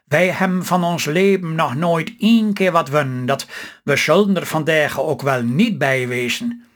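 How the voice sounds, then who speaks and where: A man's voice: on the high side, a little slow, natural voice. Man doing a grumbling gloomy country husband. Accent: Stellingwerf Low Saxon dialect. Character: grumpy pessimistic rural husband.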